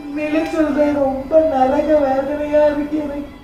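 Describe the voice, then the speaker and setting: A woman's voice: sits high, flat delivery, normal speed, warm tone, dull audio, close to an everyday voice. A woman acting a young wife worn down by her in-laws, pleading, tearful and at times angry, in an amateur church family skit. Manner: emotional and pleading, bursts of anger. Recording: echoey room, far mic, faint music.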